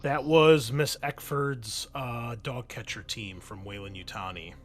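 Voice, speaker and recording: A man's voice: mid-range voice, fairly even intonation, measured pace, faint music behind. A man narrating a tabletop game as game master, explaining things in an informal, improvised way.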